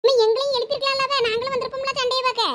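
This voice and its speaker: A woman voicing a nosy, cheeky village girl in a cartoon, talking in quick, eager questions with a Thoothukudi Tamil accent. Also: very high-pitched, flat delivery, noisy background, pitched above the performer's own voice. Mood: curious.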